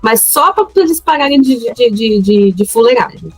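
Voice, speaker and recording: A young woman with a Brazilian Portuguese accent, co-hosting a podcast in a jokey, expressive manner. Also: on the high side, moderate pace, husky, soft background music, low-quality recording. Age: young adult. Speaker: podcast co-host. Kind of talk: casual chat.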